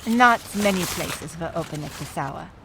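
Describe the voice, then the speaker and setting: A woman's voice: on the low side, lively intonation, moderate pace, pushed and bright, a little hiss or hum, poor audio. An actress playing an earnest, apologetic Jewish woman at a wake in a radio play, hesitant and easily exasperated. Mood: flustered, apologetic.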